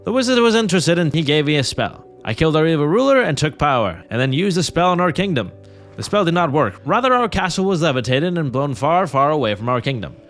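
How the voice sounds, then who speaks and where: A pompous king with a pretentious British accent, as a man puts him on, declaiming every line loudly and grandly. His voice sits high and carries strongly over faint background music. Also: big pitch swings, fast. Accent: British, put on. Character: pompous male king writing his journal.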